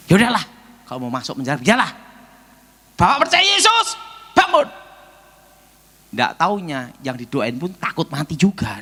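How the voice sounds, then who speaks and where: A man, an evangelist telling a sermon testimony, acting out dialogue and shouting prayers. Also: on the high side, slightly rough. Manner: animated storytelling, acts out dialogue, shouts prayers.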